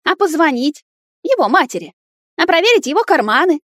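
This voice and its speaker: A woman voicing a shrill, indignant young woman who squeals and fires off demanding questions. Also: sing-song, brisk, a bit bright, dry recording, studio quality.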